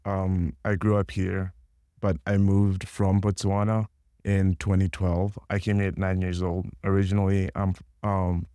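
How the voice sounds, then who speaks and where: A man's voice: deep voice, a little slow, clean tone, dry recording, studio quality. A young man from Congo, a student organizer, talking casually and a little hesitantly in an interview. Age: young adult. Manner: relaxed, hesitant with many ums.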